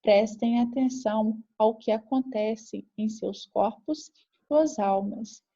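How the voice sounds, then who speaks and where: A woman reading the lines of an older male therapist giving gentle instructions to a group. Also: on the high side, takes it slowly, highs cut off. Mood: directive.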